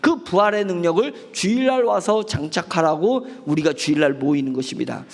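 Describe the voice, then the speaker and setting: A man's voice: high-pitched, big-room sound. A man pastor preaching a sermon, asking questions and acting out pleading prayers. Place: church sanctuary.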